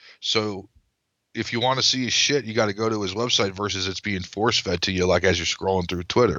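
This man has a normal speaking voice, a fairly low pitch, fairly even intonation and a fairly quick pace. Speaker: podcast host. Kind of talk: casual chat.

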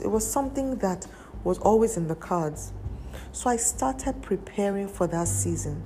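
Music plays in the background. Over it, a woman talks at a moderate pace. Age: 40s. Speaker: podcast host and fashion entrepreneur. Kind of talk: solo podcast monologue.

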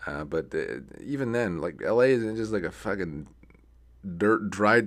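Vocal fry runs through a man's fairly low voice as he speaks at a moderate pace with lively intonation. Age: 20s. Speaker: podcast host. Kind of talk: casual solo monologue. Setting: home recording at desk. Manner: halting, many fillers.

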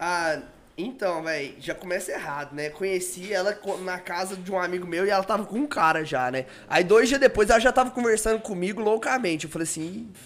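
In a Minas Gerais accent, a man talks at a high pitch and fairly quick pace. His intonation is lively. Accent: mineiro. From Minas Gerais, Araxá. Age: 20s. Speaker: reality show contestant and influencer. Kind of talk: casual chat.

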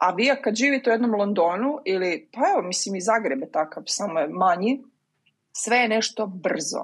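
A normal speaking voice goes at a moderate pace. The intonation is lively. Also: woman, medium pitch for a woman. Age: 30s. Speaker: artist and hospitality manager with rheumatoid arthritis. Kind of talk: casual interview.

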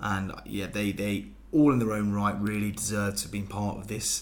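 A man with a London accent, fairly low pitch and monotone, flat intonation, fairly quick pace, audible room echo. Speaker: podcast host. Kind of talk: podcast intro.

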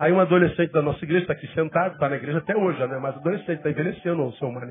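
An animated man talks very fast at a high pitch with ordinary pitch variation. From Brazil, Rio de Janeiro (Realengo). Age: 40s. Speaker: pastor. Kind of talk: sermon. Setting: church.

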